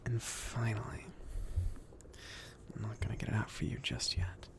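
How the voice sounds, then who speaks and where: A man playing a chill, considerate mage in an ASMR fantasy roleplay, speaking softly in a casual, hesitant, reassuring way. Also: fairly low pitch, fairly even intonation, moderate pace, creaky, heavy background noise. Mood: calm, instructive. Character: chill, considerate mage sending an apprentice on errands.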